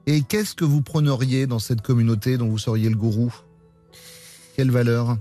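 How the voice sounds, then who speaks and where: A man's voice: medium pitch, steady tone, moderate pace, mellow, soft background music. A man hosting a radio show, asking playful, teasing questions of his guest. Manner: teasing, friendly interviewer. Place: radio studio.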